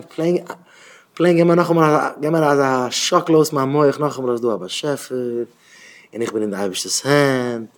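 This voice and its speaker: A man, a rabbi, giving a Hasidic Torah talk, emphatic and repeating phrases in rising bursts. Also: medium pitch.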